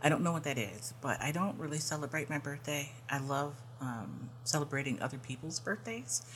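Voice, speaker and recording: A woman in her forties hosting a podcast as a coach, talking in a casual, earnest, gently encouraging way and often adding "you know" and "right?". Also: deep voice, animated, normal speed, a little hiss or hum. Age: 40s. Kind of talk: casual reflective monologue.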